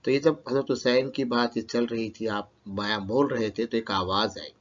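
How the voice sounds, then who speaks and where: A male teacher works through a poem line by line for his students, asking questions aloud and answering them himself. His pitch sits at an ordinary middle level for a man. The recording sounds dull and lo-fi. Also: fairly even intonation. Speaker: Urdu teacher.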